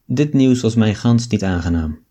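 A man reading an old novel aloud as an audiobook, in a measured storytelling way. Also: fairly low pitch, expressive, dark tone. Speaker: audiobook reader.

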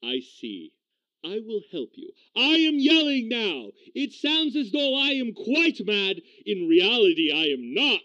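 A man doing a stiff, deadpan uncle on the phone. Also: sits high, measured pace, no echo, dull audio, heavily acted. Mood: deadpan formal. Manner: stiff, overly formal, deadpan. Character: formal, scheming uncle on the phone, male.

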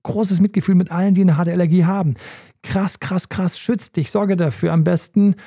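A middle-aged man with a fairly high, mellow voice hosts a casual podcast as a coach. He tells stories with animated energy and acts out little inner voices as he goes. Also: normal speed. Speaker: relationship coach and podcast host.

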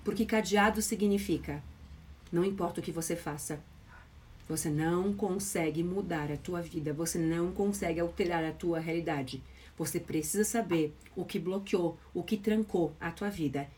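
A woman's voice: lowish voice, normal speed, darkish tone, a little hiss or hum. A woman, a mental coach giving a motivational podcast lesson, emphatic and repetitive as she stresses key phrases.

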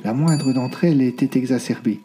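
A man narrating a novel in an expressive, dramatic storytelling manner. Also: medium pitch, normal speed. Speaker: audiobook narrator. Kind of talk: scripted narration.

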